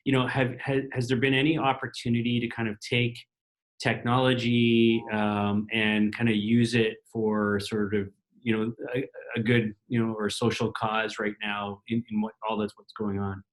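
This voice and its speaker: A man's voice: lowish voice, flat delivery, moderate pace, poor audio. A man interviewing a guest over a remote call from home, rambling with many fillers and restarts.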